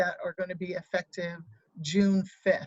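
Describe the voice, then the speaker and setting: The speaker is a woman with a somewhat breathy voice. Her intonation is monotone and flat. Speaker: attorney. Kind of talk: webinar presentation.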